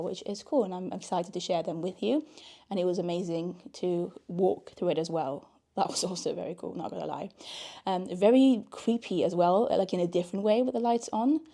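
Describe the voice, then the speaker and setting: Tired woman vlogging late at night. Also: on the low side. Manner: chatty, warm and a little tired, with soft laughs. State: tired, voice a little worn. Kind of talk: casual vlog narration. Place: outdoors at night by a hotel and fountains, then a hotel room.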